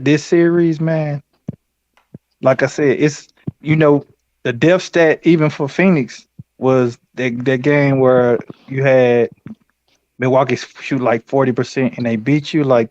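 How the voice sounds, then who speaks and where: A man's voice: medium pitch, a little mellow, highs cut off. A man on a sports call-in show, laid-back and teasing as he weighs in. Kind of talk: casual sports chat.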